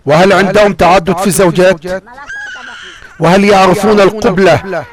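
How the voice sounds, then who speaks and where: A man narrates a travel documentary. His voice sits notably high, and his phrasing is formal and measured, like a prepared script. A clear bed of many background voices and sounds runs behind him. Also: fairly even intonation, crowd noise. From Egypt.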